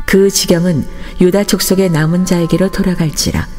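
Over music in the background, a woman with fairly low pitch speaks at a moderate pace. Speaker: professional voice actor narrator.

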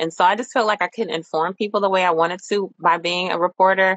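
In a quiet, dry setting with no echo, a woman uses an ordinary speaking voice at a fairly quick pace with fairly even intonation. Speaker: social media marketing specialist. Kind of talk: casual interview. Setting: video call. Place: home room. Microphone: video call.

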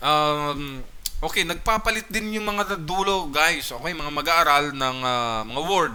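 A man with a bright, sharp tone talks at a fairly slow pace amid audible room echo. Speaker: Russian language teacher. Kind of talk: language lesson. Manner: halting, many fillers.

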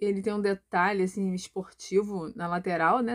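A woman talks very slowly, with a dry, close sound and no echo. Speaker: fashion vlogger. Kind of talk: sales pitch; shopping haul video, street-seller style promo patter. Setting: inside a clothing store. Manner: chatty and persuasive, talking directly to viewers.

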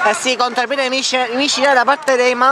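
A man speaks at an extremely high pitch in a raised, projected voice, with an animated tone at a moderate pace. Noticeable background noise is present. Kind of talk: co-commentator giving live match analysis. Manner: more measured and explanatory, with an animated lift on goals.

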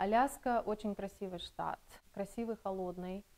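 Here a woman is speaking. Her intonation is fairly even. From Russian Far East, Khabarovsk. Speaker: psychologist. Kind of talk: casual interview. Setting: at home. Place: home room. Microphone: lapel.

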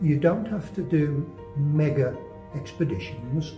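Clear music plays in the background as a man speaks with audible room echo. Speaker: charity fundraiser walker. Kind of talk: interview answer. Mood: earnest, encouraging. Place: open country.

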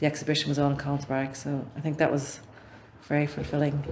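Light background noise sits behind a woman. She speaks very fast with a Northern Irish accent. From Northern Ireland, Belfast. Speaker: artist; interviewee. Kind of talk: interview. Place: studio.

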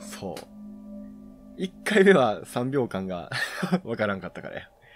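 Music plays in the background while a man talks. His pace is moderate, with big swings in loudness. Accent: Kansai. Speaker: game streamer. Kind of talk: casual let's-play commentary.

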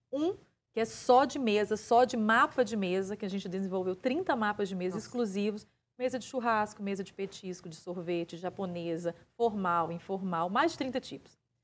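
A woman with a Minas Gerais accent shows ordinary pitch variation and big swings in loudness. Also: moderate pace. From Brazil, Minas Gerais (Governador Valadares); Minas Gerais, Brazil. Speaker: table decor entrepreneur; guest. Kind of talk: TV interview, explaining tips. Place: studio.

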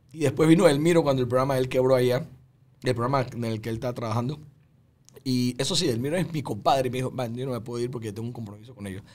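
A man with a medium pitch and ordinary pitch variation speaks very fast. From Panama. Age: old. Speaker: TV comedy writer and producer; podcast guest. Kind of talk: casual chat. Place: studio. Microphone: studio mic.

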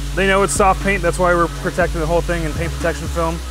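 Dry sound with no echo and faint music in the background. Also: man. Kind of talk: walkthrough commentary. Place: garage.

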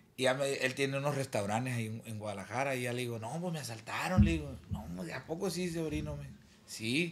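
Audible room echo surrounds a man speaking at a medium pitch and a fairly quick pace. His voice has very wide pitch swings and big swings in loudness. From Mexico, Sonora. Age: 20s. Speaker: regional Mexican singer. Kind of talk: casual interview.

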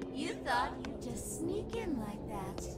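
A woman in a theatrical tone over loud music in the background. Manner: taunting, possessive, theatrical.

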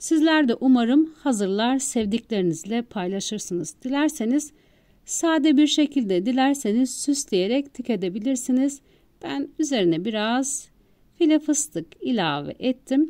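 Pitched high, a woman talks at a fairly slow pace with lively intonation and a dark, mellow tone. The recording is very clean with a silent background. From Sivas, central Turkey. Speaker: cooking channel host. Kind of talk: cooking tutorial.

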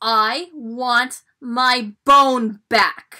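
The speaker uses a put-on character voice with an angry tone. The voice is raised and projected. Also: woman, high pitch for a woman. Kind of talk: dramatic story reading. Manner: angry, loud.

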